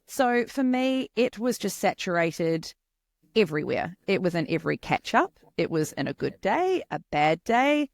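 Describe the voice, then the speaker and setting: A woman in her forties with a New Zealand accent, a podcast guest telling her story in a candid, lively way. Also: lowish voice, moderate pace, no room sound. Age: 40s. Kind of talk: podcast interview.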